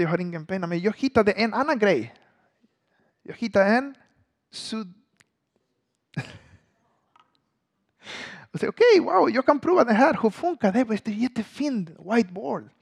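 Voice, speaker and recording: Gravelly high-voiced male preacher. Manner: animated storyteller, halting restarts. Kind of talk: storytelling sermon.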